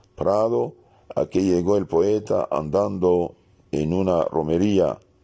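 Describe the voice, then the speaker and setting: Speaking very slowly with a Middle Eastern accent, a man uses a very deep, low voice with a dark, mellow tone and ordinary pitch variation. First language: Aramaic (speaking Spanish). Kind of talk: sermon. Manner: halting, with repetitions and fillers.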